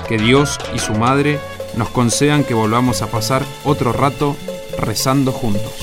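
A man's voice: mid-range voice, steady tone, a little slow. A male narrator tells a scripted radio story. His mid-range voice is reflective and lyrical, set over prominent music. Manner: poetic, reflective.

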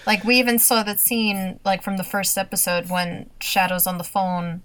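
A woman's voice: mid-range voice, flat delivery, moderate pace, fairly bright tone. A young adult woman co-hosting a casual TV recap podcast, talking with lots of laughs and acted-out quotes. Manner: chatty, laughs often, acts out quotes. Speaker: podcast co-host.

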